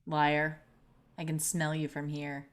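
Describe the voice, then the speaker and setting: A woman playing a crude junior high bully in a script read, blunt and threatening. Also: monotone, slow. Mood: menacing. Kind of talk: table read of a film script.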